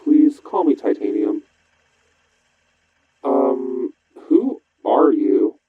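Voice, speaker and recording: A man's voice: medium pitch, animated, very slow, slight background noise. An actor playing a prickly, secretive conspiracy theorist in an audio drama, his voice disguised by a cheesy retro computer filter. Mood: guarded. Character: guarded male conspiracy hacker, paranoid, prickly, secretive. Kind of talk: audio drama phone dialogue. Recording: tinny, band-limited phone-like filter.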